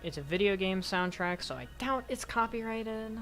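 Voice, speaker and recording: A hoarse young woman streaming a game, rambling casually and talking to herself as she plays. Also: medium pitch, expressive, moderate pace, faint music behind. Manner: rambling, talks to herself while playing. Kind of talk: casual gameplay commentary.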